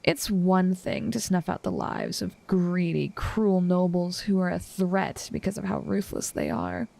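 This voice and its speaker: A woman playing an infatuated assassin in an intimate audio roleplay, composed and menacing yet tender, speaking softly and often slipping into whispers. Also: on the low side, expressive, gravelly. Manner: soft, unhurried delivery slipping often into whispers.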